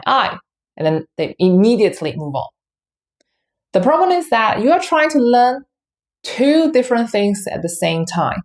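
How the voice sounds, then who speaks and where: A woman at a middle pitch teaches Mandarin pronunciation in a scripted online lesson. Her English is non-native and careful, with small grammar slips. She slows down to model each sound. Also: darkish tone. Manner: careful, deliberate, demonstrates sounds slowly.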